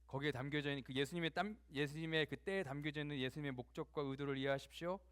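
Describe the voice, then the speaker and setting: A man preaching a sermon as a pastor in a church, swinging from loud emphasis to soft near-whispers and acting out quoted dialogue conversationally. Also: fairly high pitch, racing, smooth.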